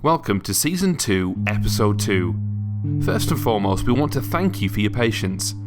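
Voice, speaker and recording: A man reading a scripted podcast introduction as host, in a measured, polite manner. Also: lowish voice, sing-song. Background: guitar music.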